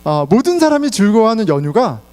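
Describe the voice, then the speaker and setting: Korean pastor guy, high voice, lively storytelling sermon, low hum in the background. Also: brisk. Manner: animated, laughs while telling stories.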